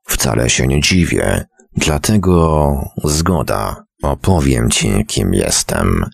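A drunken, bloated man rambles on about his lost greatness, his words slurred and mumbled, voiced by a man reading a story. The voice is very deep and gravelly, and the pace is slow. The recording is close and dry. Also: sing-song, no echo, heavily acted. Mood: drunken rambling. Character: drunken bloated man, a rambling self-proclaimed former scientist. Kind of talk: audiobook character reading.

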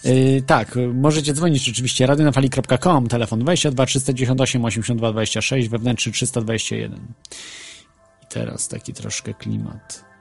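A man's voice: mid-range voice, steady tone, a little fast, vocal fry. A man hosting an internet radio show, talking casually and hesitantly with frequent fillers and restarts. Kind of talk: casual radio talk with ghost stories. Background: faint music bed.

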